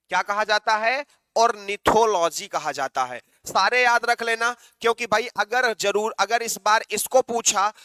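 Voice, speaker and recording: A man teaching an online exam-prep English lesson, coaxing students to answer quickly and reading the options out slowly. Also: sits high, bright, forceful tone, clean tone, dry recording. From Northeast India.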